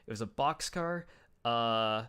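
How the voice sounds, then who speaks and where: A man's voice: medium pitch, slow pace, sharp tone, a little hiss or hum. A man co-hosting a casual online show, talking in a rambling way with many fillers and restarts. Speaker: podcast co-host. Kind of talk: casual chat.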